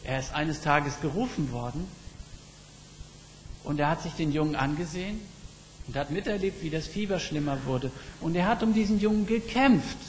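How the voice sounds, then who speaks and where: Man preaching in a reverberant hall. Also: a little high. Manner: reflective, slow emphatic storytelling. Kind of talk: sermon. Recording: long reverb with faint background noise.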